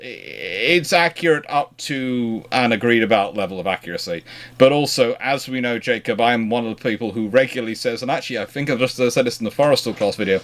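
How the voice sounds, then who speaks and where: A man hosting an informal history question-and-answer chat, talking in a discursive, halting way and often rephrasing mid-sentence. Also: mid-range voice, a bit bright. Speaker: naval history livestream host answering questions.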